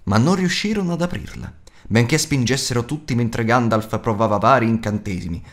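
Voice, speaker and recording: A man reading an audiobook aloud in a dramatic, expressive narration. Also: mid-range voice, brisk. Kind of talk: scripted narration.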